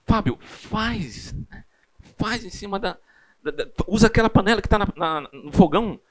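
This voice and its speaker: A man voicing a brisk, exasperated young wife in a raised, insistent voice. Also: high-pitched, lively intonation, voice pushed up.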